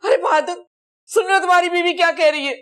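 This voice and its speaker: A woman's voice: very high voice, fairly even intonation, quick pace, a bit bright. An actress playing a melodramatic older mother with a Pakistani Urdu accent, wailing and complaining theatrically in a sitcom. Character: melodramatic old mother, hypochondriac, bossy and wailing. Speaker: ailing mother-in-law. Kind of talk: sitcom acting.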